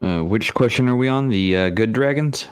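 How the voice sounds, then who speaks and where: A man chatting casually as a panelist on a tabletop gaming show, halting as he thinks aloud. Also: mid-range voice, clean tone. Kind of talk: casual chat.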